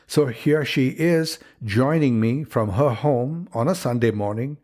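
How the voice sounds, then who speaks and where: A man hosting a literary interview, asking measured, wry questions. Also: mid-range voice, a little mellow. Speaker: interview host.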